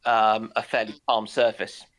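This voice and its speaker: A man's voice: lowish voice, level tone, measured pace, a bit bright. Hesitant man chatting. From United Kingdom. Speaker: panelist on a naval history stream. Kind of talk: casual discussion.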